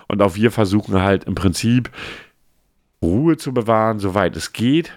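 A man co-hosting a casual podcast, speaking in a calm, measured, explanatory way. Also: on the low side, no room sound. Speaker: podcast co-host. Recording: dry, close sound.

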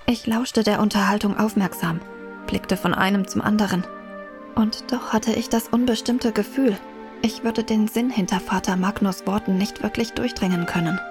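A woman playing a reflective first-person narrator in a German radio play, telling a medieval tale in measured literary style. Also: medium pitch, natural voice. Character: reflective female narrator recalling her medieval childhood. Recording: music behind the voice.

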